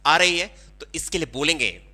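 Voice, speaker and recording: A man giving an English grammar lesson in Hindi, explaining point by point and often stopping to ask if it is clear. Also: on the high side, expressive, normal speed, pushed and bright. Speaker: English teacher.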